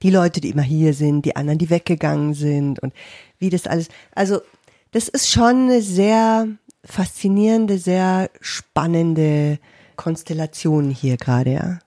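A woman's voice: deep voice, unhurried, mellow. A woman in her fifties in casual conversation as a podcast co-host, reflective and searching for words.

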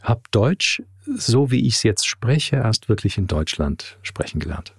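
Low gravelly man. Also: very animated, measured pace, dry recording, studio quality. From Canada. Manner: thoughtful, hesitant, many fillers. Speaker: podcast guest. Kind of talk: reflective interview answers.

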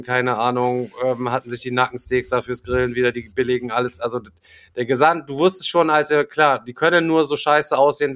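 A young man hosting a podcast tells a story in loose, slangy chat and keeps throwing in filler words. His voice sounds bright and forceful, sitting at a middle pitch. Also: smooth. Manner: slangy, rambling storytelling full of "Alter" and "Digga". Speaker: podcast host. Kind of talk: casual chat.

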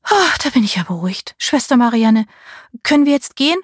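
Woman doing a shrill, cross little old aunt. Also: big pitch swings, a little fast, no echo, clean studio sound. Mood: relieved. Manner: shrill, scolding.

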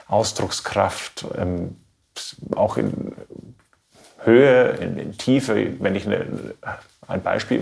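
A man from Bavaria, a trained baritone, giving reflective, measured interview answers and searching for his words. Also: vocal fry, a little mellow. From Bavaria, Germany. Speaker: classical baritone singer being interviewed.

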